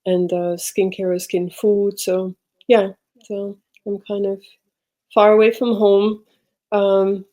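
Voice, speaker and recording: Mellow middle-aged woman reflecting. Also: medium pitch, little pitch movement. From Switzerland. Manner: reflective, halting, searching for words. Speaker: podcast guest. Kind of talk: personal storytelling in an interview.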